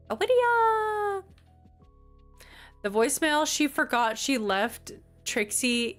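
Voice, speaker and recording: A woman drawling through a relaxed live-stream chat, giggly and chatty as she answers her viewers. Her unhurried talk sits over faint game music. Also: fairly high pitch.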